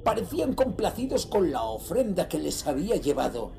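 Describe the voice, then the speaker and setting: An actor from playing a ruthless sea trader, narrating his grim confession slowly and gravely in a horror audio drama. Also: high voice, big pitch swings, warm tone, soft background music, full character voice. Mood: ominous awe. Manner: slow, grave, dramatic delivery.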